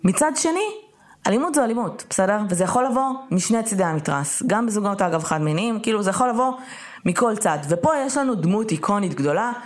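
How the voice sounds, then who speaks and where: A young woman co-hosting a podcast in casual chat, emphatic and animated, often checking in with "okay?". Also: mid-range voice. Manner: animated, emphatic, peppers talk with "okay?" and "right?". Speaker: podcast co-host.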